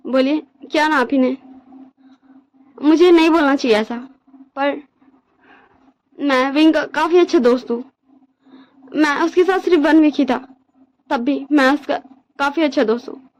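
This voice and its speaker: A woman voicing a frank, loyal young man who speaks softly and reproachfully. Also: high-pitched, voice pushed down, poor audio.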